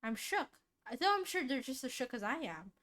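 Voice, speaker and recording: A woman's voice: high-pitched, brisk. A woman streamer reading a visual novel aloud expressively, acting out the dialogue as she goes. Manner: expressive, acts out character dialogue. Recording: loud game music behind. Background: game music.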